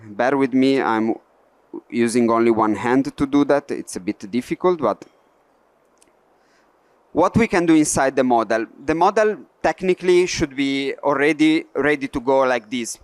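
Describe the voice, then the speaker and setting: A man's voice: medium pitch, normal speed, no room sound. A man from Italy with an Italian accent, presenting a live workshop demo on a trade fair stage, hesitant with frequent fillers. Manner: hesitant, many "uh" fillers, non-native phrasing.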